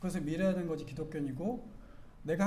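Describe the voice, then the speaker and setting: A man's speech carries an audible room echo, with noticeable noise behind it. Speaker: pastor. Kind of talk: sermon follow-up Q&A answer.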